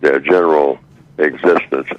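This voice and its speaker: A man in his eighties speaking by phone as a radio guest over a clipped line, slow and measured with halting fillers. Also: a bass voice, steady tone, dry recording. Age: 80s. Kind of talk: radio call-in talk by phone. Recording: dull, dry phone line.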